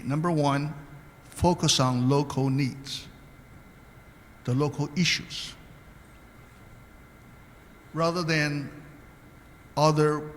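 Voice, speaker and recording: A man's voice: mid-range voice, fairly bright tone, a little hiss or hum. An older man from Taiwan, speaking earnestly as a guest on a panel, telling anecdotes with hesitant restarts. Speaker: guest speaker, state commissioner. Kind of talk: panel talk answering questions. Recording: reverberant hall.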